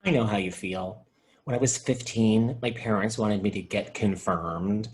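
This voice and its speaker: A man's voice: on the low side, unhurried, lightly acted. Man playing a sensible, reassuring store worker. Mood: reassuring, earnest. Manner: earnest, down-to-earth. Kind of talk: comedy script table read.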